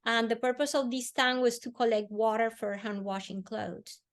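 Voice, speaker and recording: Woman, fairly high voice. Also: little pitch movement. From Colombia. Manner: earnest, slowing and softening on emotional words. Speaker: podcast guest. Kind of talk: storytelling in a podcast interview.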